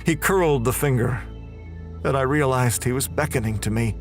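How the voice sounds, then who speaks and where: A man's voice: mid-range voice, moderate pace, over music. A man performing scripted, dramatic first-person narration for a horror audio drama.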